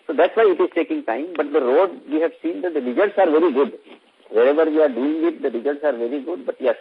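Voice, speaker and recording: A man's voice: a little high, fast talker, slight background noise. An Indian-accented man, a company executive, explaining emphatically and repetitively as he answers questions on an investor conference call. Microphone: conference call phone line. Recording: muffled, very narrow phone-line audio.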